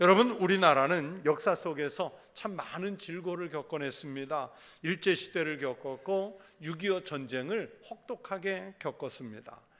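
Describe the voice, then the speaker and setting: A high-pitched man at a fairly slow pace with ordinary pitch variation, on a very clean recording with a silent background. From South Korea, Seoul. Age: 60s. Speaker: pastor. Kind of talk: sermon.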